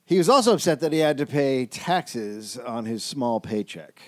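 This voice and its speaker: A man's voice: mid-range voice, lively intonation, moderate pace, no echo, clean studio sound. A man co-hosting a comedy podcast, reading quotes aloud and answering them with exasperated, profane comments. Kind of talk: casual comedic banter.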